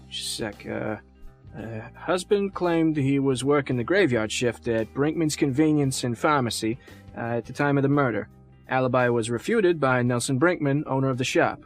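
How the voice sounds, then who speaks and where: Junior cop male actor, laid-back and a little fumbling, medium pitch, audio drama. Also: normal speed, soft background music, lightly acted. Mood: casual, hesitant. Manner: casual, hesitant. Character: easygoing, slightly fumbling male junior police detective.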